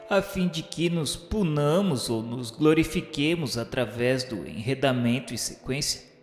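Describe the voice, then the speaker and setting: A man's voice: medium pitch, lightly acted. A man with a Brazilian accent playing the remorseful spirit of a blind suicide from the nineteenth century, confessing in solemn, grandiloquent literary monologue for a radio drama. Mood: tormented, remorseful. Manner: solemn, grandiloquent, slow declamation. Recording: echoey hall reverb, music underneath.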